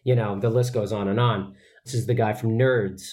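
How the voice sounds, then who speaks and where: A man's voice: lowish voice, fairly even intonation, moderate pace, a little mellow. Chatty man, an actor in an interview. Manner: earnest, chatty with many fillers and restarts. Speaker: actor guest. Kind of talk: interview answers.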